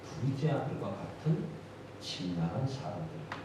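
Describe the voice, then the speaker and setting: A man's voice: lowish voice, normal speed. Give me a male pastor preaching emphatically, his voice ringing through a large, echoing church from a distant mic with faint noise. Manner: emphatic preaching with lively, rising and falling delivery. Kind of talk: sermon. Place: church sanctuary.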